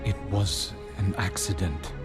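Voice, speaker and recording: A man's voice: sits low, a little slow. A man playing an earnest, conscience-stricken young rogue hero in a video game, speaking in a subdued way. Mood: quiet conviction. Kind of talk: dramatic video game cutscene acting. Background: loud game music.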